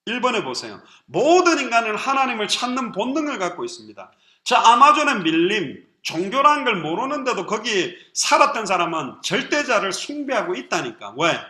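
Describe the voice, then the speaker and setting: A man preaching a sermon as pastor, animated and lively. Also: sits high, a little fast, echoey room. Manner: lively preaching with acted quotes.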